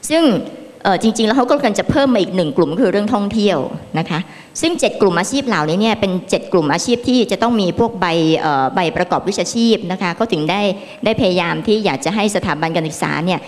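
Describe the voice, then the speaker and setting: Lively woman moderating in a hall. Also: medium pitch. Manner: polite, formal, expressive. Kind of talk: seminar moderation. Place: large conference room. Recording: long reverb of a large hall.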